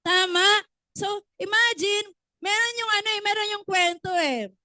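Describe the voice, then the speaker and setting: A woman's voice: very high-pitched, moderate pace, pushed and bright, dry recording, poor audio. A woman giving a motivational business training talk, often asking the audience questions and acting out little stories.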